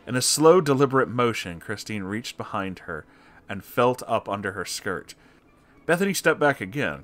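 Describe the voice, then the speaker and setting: Low-voiced man narrating a comic story. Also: a bit bright. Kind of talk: scripted dramatic narration of comic horror fiction.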